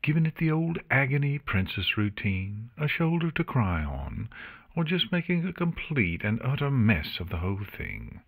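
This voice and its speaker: Guy doing a chatty young girl pony knight, irreverent n awkward, raised swoopy pitch, fantasy audiobook. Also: very animated, normal speed, gravelly, phone-quality sound. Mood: teasing, musing.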